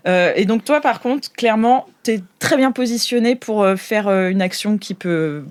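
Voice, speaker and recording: A woman's voice: mid-range voice, moderate pace, a little mellow, clear, resonant tone. Playful woman running a tabletop game. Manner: playful, informal, colloquial. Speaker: game master. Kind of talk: casual improvised tabletop game narration.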